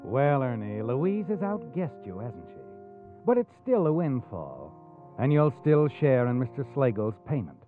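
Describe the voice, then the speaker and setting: An actor playing a sly, taunting all-knowing narrator in a 1940s radio mystery, addressing the character as you. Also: male voice, medium pitch, big pitch swings, measured pace. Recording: tinny old radio recording, music behind.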